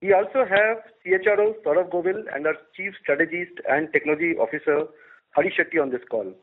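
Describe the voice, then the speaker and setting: Investor relations man, high-pitched, reads a prepared script over a phone-quality line. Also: quick pace. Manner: reads a prepared disclaimer steadily. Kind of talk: formal scripted call introduction.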